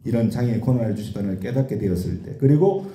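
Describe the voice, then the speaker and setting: A man's voice: medium pitch, lively intonation, fast talker, warm tone. A man in his sixties preaching a sermon, repeating key words for emphasis and acting out anguished questions to God. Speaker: pastor. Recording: echoey room.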